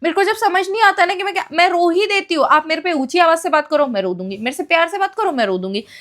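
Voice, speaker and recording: A woman's voice: very high-pitched, fast talker. A young woman telling a personal story in a casual, emotional monologue, mixing English phrases into her speech. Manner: emotional, expressive retelling.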